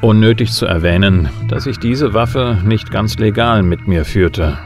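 An actor playing a cocky middle-aged bounty hunter who flirts smoothly and narrates wryly in a sci-fi audio drama. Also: male voice, fairly low pitch, measured pace. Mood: wry, laconic. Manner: wry, laconic. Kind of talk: first-person noir narration and dialogue in German sci-fi audio drama. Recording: music behind the voice.

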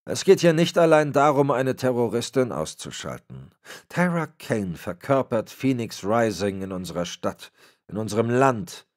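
A man voicing a frail, cold old crime boss who gives orders in a raspy voice. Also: mid-range voice, sing-song, moderate pace, a little mellow, pitched above the performer's own voice, close to an everyday voice. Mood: icy. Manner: cold, commanding. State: raspy, cracking voice.

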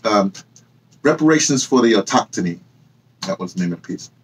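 A man in his sixties, host of a personal memoir channel and an audio dramatist, speaks to camera in a husky, fairly low, animated, brisk voice; the poor audio has a little hiss or hum. In a small indoor room with bookshelves and hung clothes, he rambles casually through his story, digressing into asides and correcting himself.

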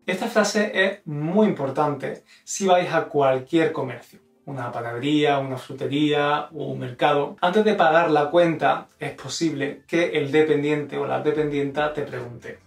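A Spanish teacher from Spain, speaking with a Spanish accent, explains expressions in a video lesson and carefully models intonation. His voice is a little high with vocal fry, picked up by a distant mic in an echoey room.

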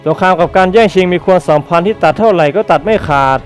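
A steady, loyal ogre general, read by a man, polite and measured, his voice pitched higher than most men's. Quiet music hums faintly in the background. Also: lightly acted. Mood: respectful. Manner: polite, respectful replies. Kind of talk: web novel read aloud.

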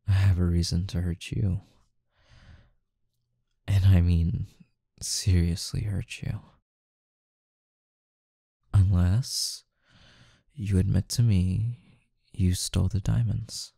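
A man acts out a smooth-talking mafia boss in an intimate ASMR roleplay. His low voice is dark and husky, heard very dry and close. He coaxes and threatens calmly, pausing deliberately. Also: dry recording, full character voice. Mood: calm menace. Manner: slow, menacing, softly coaxing, with deliberate pauses.

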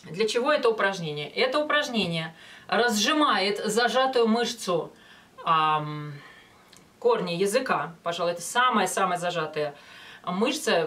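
A woman in her forties teaching as a vocal coach, explaining step by step with hesitant pauses between phrases. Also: lowish voice, a bit bright. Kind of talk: instructional talk with short sung demonstrations. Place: small indoor studio with banner backdrop. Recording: voice some distance from mic.

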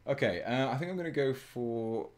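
A man with a low, fairly monotone voice, chatting casually on a live stream while he paints miniatures and reads chat. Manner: relaxed, chatty, chuckles often, reads chat aloud. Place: indoors at a painting desk.

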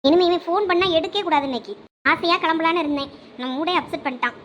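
A woman's voice: very high voice, fast, a bit bright, a little hiss or hum. A woman in a village comedy skit, voicing an annoyed young girlfriend who sulks at her boyfriend. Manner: annoyed, sulking.

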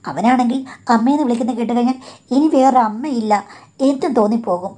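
A woman's voice: a little high, quick pace, dark tone. Confiding woman telling her life story. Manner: confiding, indignant, addresses listener as madam. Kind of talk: personal life story narration.

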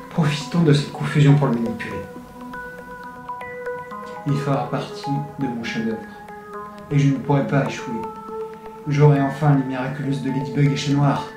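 A man's voice: medium pitch, steady tone, normal speed, pauses often, lightly acted. Echoey scheming villain played by a man. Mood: scornful, scheming. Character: scheming male supervillain boss, coldly manipulative. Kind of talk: fan film drama. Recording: echoey room with music bed.

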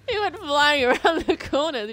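A woman giving casual gameplay commentary, jumpy and quick to laugh, swearing often. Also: a little high, a little hiss or hum. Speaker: gamer.

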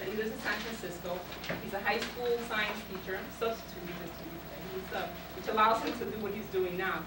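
Middle-aged woman teacher, casual, talks to her class from across the room, hissy old tape. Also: mid-range voice. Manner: casual, reads from a sheet, fillers. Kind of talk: classroom lecture. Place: college classroom. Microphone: far camera. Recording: echoey room, from far off, hissy.

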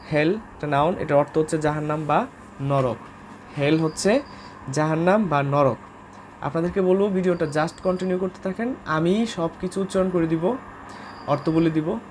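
A man's voice: fairly high pitch, darkish tone, a little hiss or hum. A man with a Bangladeshi accent teaching English vocabulary in a casual spoken lesson, repeating each word and spelling it out letter by letter. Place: room under a tin roof with rain. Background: faint rain and room ambience.

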